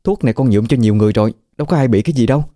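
A man's voice: mid-range voice, very fast, warm tone, no room sound, studio quality, pitched above the performer's own voice, lightly acted. A man doing a panicky stammering young hairdresser woman. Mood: anxious. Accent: Southern Vietnamese.

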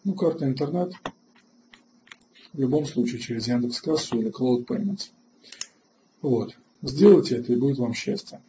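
A man hosting an online webinar lecture, halting with filler sounds and restarts, and answering chat questions between points. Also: medium pitch, lively intonation, warm tone, lo-fi sound, a little hiss or hum. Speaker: webinar host.

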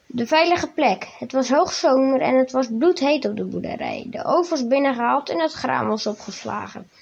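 High-voiced woman reading a storybook aloud. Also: gravelly, slightly rough. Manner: steady, measured read-aloud narration. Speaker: podcast host and story reader. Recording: dull lo-fi recording.

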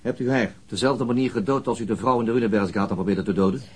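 An actor playing a persistent, controlled police interrogator in a radio crime drama, formal and probing, with a husky voice. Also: male voice, fairly low pitch, fast. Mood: stern, accusing.

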